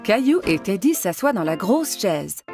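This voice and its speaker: A woman's voice: medium pitch, sing-song, unhurried, darkish tone, soft background music. A woman narrating a scripted story for children.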